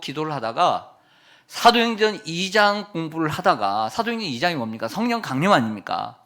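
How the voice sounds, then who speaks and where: A man's voice has a bright, sharp tone. He speaks at a moderate pace with very wide pitch swings. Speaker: pastor. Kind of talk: sermon.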